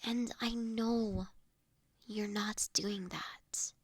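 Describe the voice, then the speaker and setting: A woman playing a gentle, formal young mistress of a manor in a roleplay audio drama, speaking earnest, caring lines in measured, old-fashioned phrasing. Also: medium pitch, fairly even intonation, no room sound. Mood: tender, soft.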